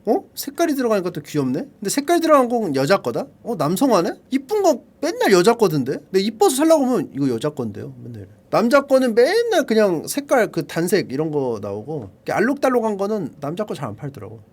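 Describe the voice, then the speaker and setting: A man's voice: high-pitched, huge pitch swings, fast talker, few pauses, darkish tone. A man in his thirties, live-streaming casually while he grumbles wryly about what he sees on screen. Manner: grumbling, wry running commentary.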